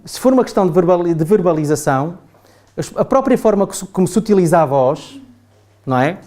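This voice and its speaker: A man's voice: high-pitched, dark tone. A man with a European Portuguese accent giving a chatty classroom talk to adults, often asking the group "não é?". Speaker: trainer. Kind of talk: classroom lecture.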